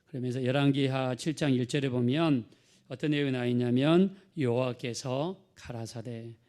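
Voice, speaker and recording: A man's voice: medium pitch, steady tone, a little fast, a little mellow. A middle-aged male pastor preaching a sermon in a conversational storytelling manner, acting out the people in his story.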